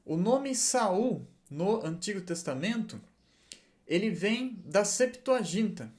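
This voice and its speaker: Guy teaching a lesson real slow, patient, keeps checking you follow. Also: high-pitched, lively intonation, darkish tone. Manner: patient, explains step by step, frequent "né?" and "tá?" checks. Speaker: Hebrew and Greek teacher. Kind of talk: explanatory lesson.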